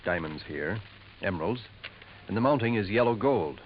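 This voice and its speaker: An actor playing a smooth, confiding male jeweler who drops insinuating hints in a 1950s radio drama, on a dull old recording. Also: low-pitched, animated, normal speed, slight background noise.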